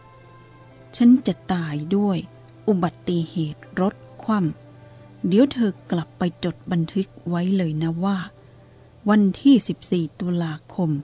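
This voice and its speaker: A woman voicing a calm, teasing elderly male abbot who speaks in a steady, even tone. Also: on the low side, measured pace, slightly rough, soft background music.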